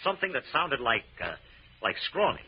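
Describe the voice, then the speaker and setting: A man acting as a confident radio-era investigator, earnest and brisk with a dry, wry edge. His intonation swings widely. The recording is old and dull, with a clear layer of noise. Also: medium pitch, sing-song, lightly acted. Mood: intense, puzzled. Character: eager, confident male psychic investigator and lab analyst. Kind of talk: 1940s radio detective drama acting.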